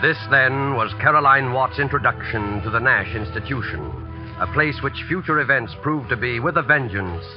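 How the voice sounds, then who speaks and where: A man hosting and narrating a 1940s radio suspense show in a measured, ominous way. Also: mid-range voice. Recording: muffled 1940s radio broadcast with music.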